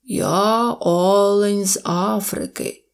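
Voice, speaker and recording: A woman's voice: mid-range voice, steady tone, drawn-out words, gravelly, clean tone. A woman voicing a friendly, helpful African deer in a storybook tale, speaking plainly and matter-of-factly. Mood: calm.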